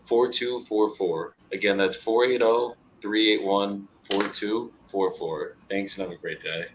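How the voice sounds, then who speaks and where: A man leaving a polite sales voicemail as a real estate cold caller, slowly reading out his callback number. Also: fairly even intonation, noisy background. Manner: upbeat, polite sales pitch, reads out phone number slowly.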